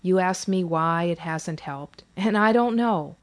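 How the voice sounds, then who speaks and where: A woman's voice: on the low side, measured pace, lightly acted. A woman reading the lines of a weary, sarcastic mother who is defensive and exasperated about repeating her family history in therapy.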